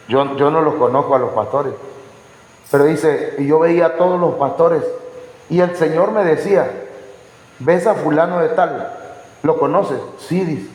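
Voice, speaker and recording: A male pastor gives a testimony sermon, telling his story with lively acted-out dialogue. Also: on the high side. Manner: animated storytelling, acts out quoted dialogue. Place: church hall. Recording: echoey church hall with long reverb.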